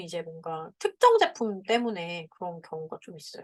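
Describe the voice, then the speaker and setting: A woman's fairly slow speech in a dry, close recording with no echo. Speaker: online selling instructor. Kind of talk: webinar lecture.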